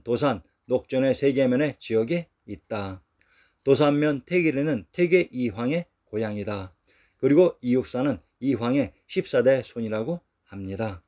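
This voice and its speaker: The narrator is a man of medium pitch working through a written history script, his delivery steady and measured as he lists things one after another.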